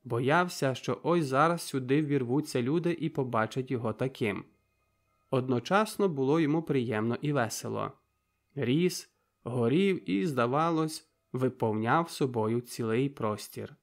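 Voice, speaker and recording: A man reading an audiobook, narrating in a steady, measured way. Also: medium pitch.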